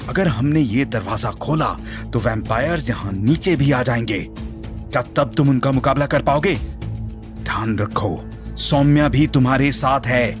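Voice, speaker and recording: Guy as a firm bossy priest in horror audio drama, mid pitch, faint music under. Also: measured pace, natural voice. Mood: stern. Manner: firm, commanding, urgent. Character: stern, pragmatic priest leading survivors.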